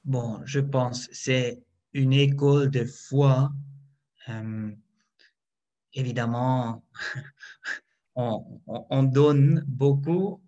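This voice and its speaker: A Swiss priest whose first language is German, speaking French slowly and carefully. His voice sits at a middle pitch, and he pauses often with fillers and restarts. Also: fairly even intonation, dark tone, lo-fi sound. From Switzerland. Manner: hesitant, many fillers and restarts. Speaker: priest, guard chaplain. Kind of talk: interview answers.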